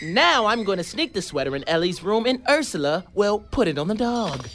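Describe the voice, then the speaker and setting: A woman's voice: mid-range voice, very animated, moderate pace, noisy background, natural voice. A woman voicing a sly, meddling male house cat with a smug, conspiratorial manner.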